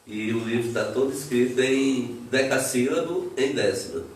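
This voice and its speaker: A man's voice: medium pitch, normal speed, a little hiss or hum. A man with a Brazilian Portuguese accent, a cordel poet, chatting casually and often repeating words as he thinks. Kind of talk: casual conversation. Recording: echoey room, mic far off.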